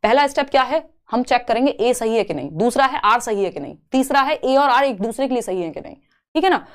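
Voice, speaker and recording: A young woman teaching an exam-prep class with a fairly high voice. She explains each point step by step, mixing in English terms, and keeps asking her listeners questions that she then answers herself. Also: expressive, a little fast, clear, resonant tone. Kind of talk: online exam-prep lecture.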